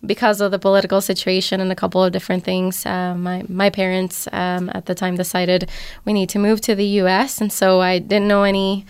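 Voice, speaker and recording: Smooth, flat-toned woman from Venezuela. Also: mid-range voice, no echo. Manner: reflective, halting with many fillers. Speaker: panel guest. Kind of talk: casual faith discussion.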